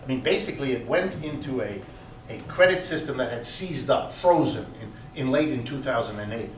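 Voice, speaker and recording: A man giving an emphatic, animated economics lecture to a room, often repeating words for stress. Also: medium pitch, a little fast. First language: German. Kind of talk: public lecture. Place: lecture hall. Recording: echoey hall, recorded from far off.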